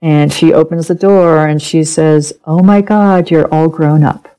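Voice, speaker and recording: A middle-aged woman whose first language is German, a podcast guest telling a personal story with lively laughter and acted-out quotes. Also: sits low, unhurried, clean tone, poor audio. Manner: animated, laughs often, acts out quoted speech.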